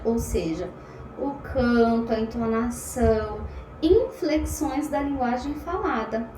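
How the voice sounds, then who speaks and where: High-voiced woman teacher, chatty and energetic, unhurried pace, recorded on computer audio. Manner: talks fast and a lot, animated, self-described anxious. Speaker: psychology lecturer. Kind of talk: online lecture. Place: home room at a computer. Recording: roomy sound, faint background noise.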